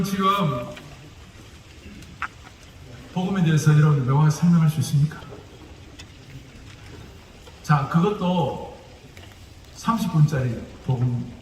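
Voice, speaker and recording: Man preaching with a gyeongsang accent, high lively voice, echoey hall, sounds far from the mic. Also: slight background noise. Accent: Gyeongsang dialect. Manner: joking, asks the audience rhetorical questions. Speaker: pastor. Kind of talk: lecture-style sermon.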